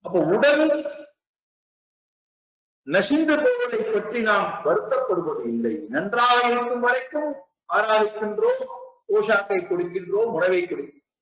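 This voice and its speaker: A man giving a spiritual discourse, speaking slowly and deliberately and repeating his rhetorical questions. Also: very high-pitched, huge pitch swings. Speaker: spiritual teacher. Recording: echoey, distant, dull lo-fi sound.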